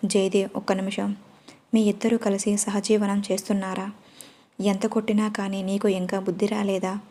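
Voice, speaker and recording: A woman doing a fed-up male manager griping loudly in an audio story. she keeps him in a flat, narrow voice with little pitch movement. the tone is mellow and soft-edged, not a big character voice. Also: normal speed, natural voice. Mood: exasperated. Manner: complaining, exasperated shouting. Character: panicky loud-mouthed male manager, middle-aged.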